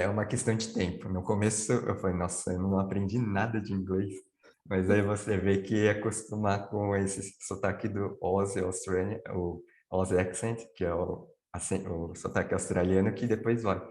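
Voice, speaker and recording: A man's voice: sits low, flat delivery, a little slow, darkish tone, echoey room. A man on a video call explaining things at length, answering his own questions as he goes. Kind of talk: live online Q&A chat.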